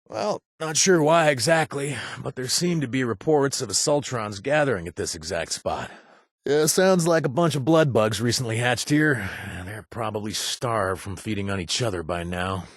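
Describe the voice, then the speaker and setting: A man's voice: lowish voice, no echo, studio quality. An actor playing a young male ex-gang member, a chatty ally in a video game who cracks jokes and puns. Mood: casual. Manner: jokey, punning, chatty with fillers.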